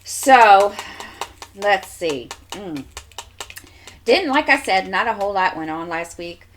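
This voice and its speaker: A woman's voice: mid-range voice, expressive, takes it slowly, a little hiss or hum. A woman with a stuffy nose, rambling casually with lots of fillers as a crafting vlogger. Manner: chatty, meandering, many fillers and restarts.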